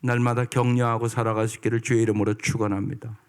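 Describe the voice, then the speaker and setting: A male pastor giving a sermon in a church, lively and often prodding the congregation for answers. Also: medium pitch, quick pace, clear, resonant tone. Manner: lively, prods the congregation for responses. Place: church sanctuary.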